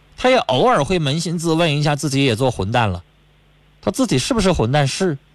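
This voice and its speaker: Speaking at a fairly quick pace, a man uses a fairly high voice with very wide pitch swings. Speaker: radio host, relationship advisor. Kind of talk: call-in advice show. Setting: radio studio.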